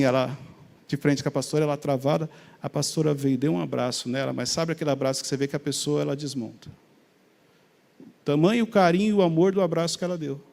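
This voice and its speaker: A middle-aged Brazilian man telling his personal faith testimony in an animated storytelling way, acting out remembered conversations. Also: fairly high pitch, vocal fry, in a large hall. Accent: Brazilian Portuguese. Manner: animated, acts out remembered dialogue. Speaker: speaker sharing a faith testimony.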